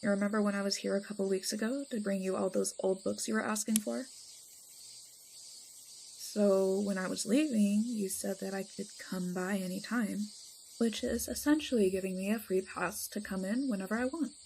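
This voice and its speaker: A woman's voice: medium pitch, fairly even intonation, normal speed, gravelly, darkish tone, a little hiss or hum, close to an everyday voice. A woman playing a chatty, teasing, affectionate vampire friend in a casual roleplay audio drama. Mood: playful, mock hurt.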